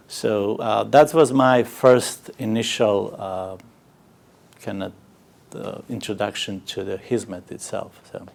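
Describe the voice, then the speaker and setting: A middle-aged man with a Bosnian accent speaks English, his first language being Bosnian. His voice sits fairly low and has a rough, gravelly edge. He talks haltingly and fills his pauses with frequent "uh"s as he recounts his experiences. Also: darkish tone. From Bosnia, Sarajevo. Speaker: interviewee, community organizer. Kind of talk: personal testimony in an interview.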